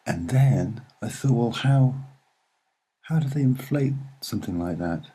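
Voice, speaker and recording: A soft-spoken man with a husky voice, giving a casual, musing and hesitant commentary as he explains what he sees. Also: mid-range voice, expressive, measured pace. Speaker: video narrator.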